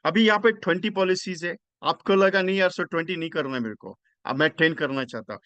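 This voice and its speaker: A man's voice: fairly high pitch, fast talker, a bit bright, no room sound, highs cut off. A man teaches insurance agents in an online session. He mixes into his explanations, repeats key phrases and quizzes his listeners on the numbers. The sound is dry and close. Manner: works through numbers step by step, asking the audience questions. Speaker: insurance sales trainer.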